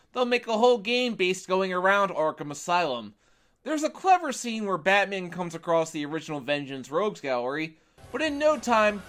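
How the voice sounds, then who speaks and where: A man's voice: high voice, a bit bright. A man reading a scripted video game review, opinionated, with wry sarcastic asides.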